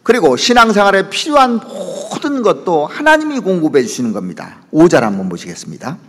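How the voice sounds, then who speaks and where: A man's voice: high-pitched, sing-song, fairly quick, slightly rough. A male pastor preaching a sermon, speaking with sudden rises and drops and frequent asides to his congregation. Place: church sanctuary. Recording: church hall reverb.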